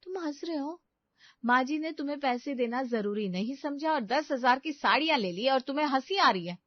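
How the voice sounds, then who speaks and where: A woman voices a young daughter-in-law in an animated family story, sounding suspicious and aggrieved. Her high voice has a complaining edge and comes through dry and a bit dull, at normal speed with no echo.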